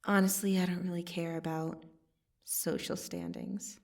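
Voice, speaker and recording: A woman playing a cocky, teasing vampire assassin in an ASMR roleplay, casually menacing, with a sardonic delivery and long pauses. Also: lowish voice, flat delivery, distant mic. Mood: cool, curious. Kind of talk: ASMR roleplay monologue to the listener.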